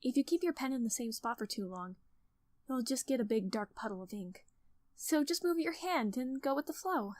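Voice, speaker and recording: Casting: woman to play teenage girl club president for a visual novel, higher-pitched, earnest, gently instructive, close dry sound. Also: lively intonation, moderate pace, no echo. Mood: friendly, instructive. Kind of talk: scripted character monologue of writing advice.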